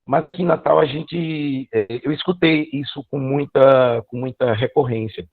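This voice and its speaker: A middle-aged man, giving a formal thesis presentation over a video call, with halting speech and many hesitations. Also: mid-range voice, steady tone, gravelly, dry recording. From Northeastern Brazil. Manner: halting, frequent filler hesitations and restarts. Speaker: law student presenting his thesis. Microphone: computer mic on a video call. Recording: tinny dry video-call audio.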